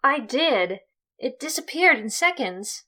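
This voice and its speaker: A woman acts an exasperated young heroine in an audio drama. Her voice is fairly high with a bright, tense edge. She talks bluntly and practically. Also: sing-song, slow pace, heavily acted.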